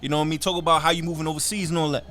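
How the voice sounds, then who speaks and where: A man's voice: on the high side, level tone, rapid-fire, sharp tone, faint music behind. A man interviewing casually, chummy and full of slang and hype. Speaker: radio interviewer. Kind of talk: casual hip-hop interview.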